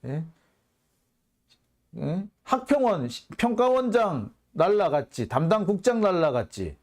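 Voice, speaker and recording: A man's voice: sits high, big pitch swings, unhurried, darkish tone. A man hosting a political commentary monologue, heated and sarcastic, firing off rhetorical questions.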